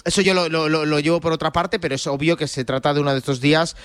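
Male sports pundit, slightly high voice, halting explanatory delivery with repeated words, very little room sound. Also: fairly even intonation, a bit bright, smooth, no echo. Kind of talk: spontaneous football discussion.

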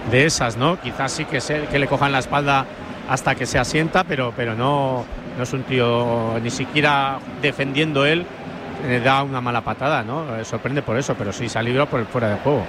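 A man analyses a live football match. He is casual and halting, repeating himself, with clear stadium noise behind. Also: medium pitch, fairly even intonation.

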